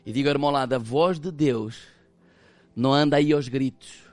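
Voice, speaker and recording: A man with a European Portuguese accent preaching a sermon as pastor, swinging between impassioned loud passages and hushed, quiet ones. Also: mid-range voice, a little fast, no room sound, soft background music.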